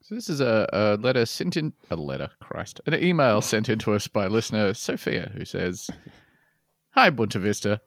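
A man with an animated, mid-pitched voice cohosts a comedy podcast. He reads letters aloud and breaks into wry jokes and laughter. The sound is dry and close to the mic. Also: moderate pace, no echo. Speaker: podcast co-host. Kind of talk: casual comedy chat, reading listener mail.

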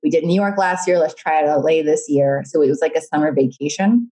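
Young woman from jamaica and florida, low mellow voice, rambly and laughing a lot. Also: fairly quick, rough recording. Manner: rambling storytelling with frequent laughs. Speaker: guest. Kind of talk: casual interview.

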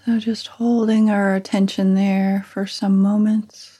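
A woman guides a meditation very slowly, leaving long pauses between gentle instructions. Her voice is soft-edged and mellow, with a breathy, husky grain. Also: mid-range voice, flat delivery. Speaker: meditation teacher.

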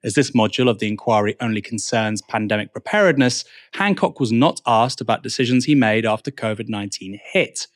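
A man's voice: on the low side, brisk, hardly any pauses, no room sound. Male news host, dry close sound. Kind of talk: scripted news presenting.

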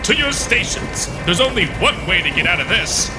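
Earnest starship captain played by an actor, melodramatic commands, lively swoops in pitch, comic space adventure over loud music. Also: moderate pace, natural voice, low-quality recording. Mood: resolute. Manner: dramatic, clipped orders. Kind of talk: comic audio drama acting.

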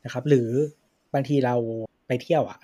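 A man's voice: mid-range voice, steady tone, moderate pace, dark tone, dry recording. A man co-hosting a tech podcast, explaining things politely with some hesitations. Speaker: podcast co-host. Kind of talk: casual tech podcast chat.

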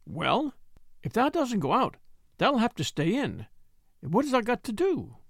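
A man's voice: extremely high pitch, huge pitch swings, unhurried, creaky, no echo, clean studio sound, pitched above the performer's own voice, exaggerated voice. A man voicing a chatty housemaid girl. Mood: stout. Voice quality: outspoken, homely and talkative. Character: chatty good-tempered young Yorkshire housemaid. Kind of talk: audiobook character voice.

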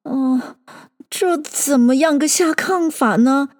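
A woman doing a fussy, pedantic young gentleman. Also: sits high, big-room sound, pitched above the performer's own voice. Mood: fretful. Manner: pedantic, drawn-out archaic speech. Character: prim bookish young male gentleman, fussy and slow.

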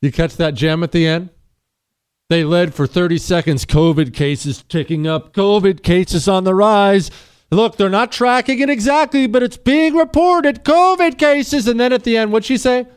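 A man hosting a call-in radio talk show, sarcastic and combative, mocking in a high voice then dropping low. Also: normal speed, clean tone, no room sound, studio quality.

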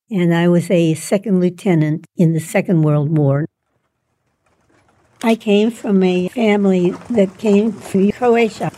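An older woman telling the story of her childhood in an oral history interview, slow and plain, with soft laughs. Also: fairly low pitch.

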